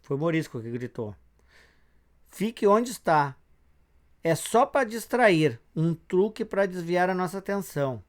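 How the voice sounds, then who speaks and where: A man's voice: high-pitched, expressive, a little slow. A man reading a western comic aloud in a casual retelling, narrating the panels and reading the characters' lines. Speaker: comic reader.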